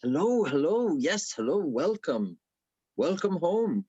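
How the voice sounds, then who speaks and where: A man acts out a merry village elder in his fifties for a film script read. His voice sits fairly high for a man and swings widely in pitch, with a playful, welcoming manner. The sound is close and dry but slightly dull. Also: sing-song, slow pace, mellow, husky, no room sound, heavily acted. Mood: warmly welcoming.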